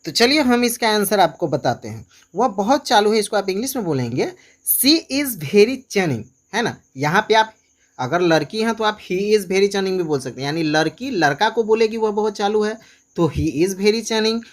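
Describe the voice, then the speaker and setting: A man tutoring English in a casual online class, slowing down to repeat example phrases and keep coaxing viewers to answer. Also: high voice, expressive. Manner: repeats example phrases slowly and keeps urging viewers to comment.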